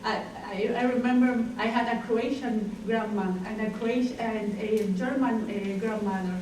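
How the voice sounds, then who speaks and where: A woman's voice: fairly high pitch, steady tone, moderate pace, darkish tone. Argentine-accented woman speaker in echoey room. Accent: Argentine Spanish. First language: Spanish. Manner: hesitant, restarts phrases, frequent ums. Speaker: dietitian and guest speaker. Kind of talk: community health talk. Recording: echoey room, distant mic, faint noise.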